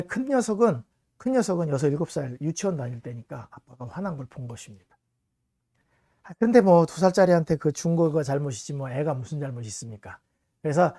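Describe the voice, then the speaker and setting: A man's voice: fairly high pitch, a little mellow, dry recording, clean studio sound. A middle-aged man preaches a sermon in a storytelling way. He tells a family story as a pastor and keeps speaking to his congregation directly.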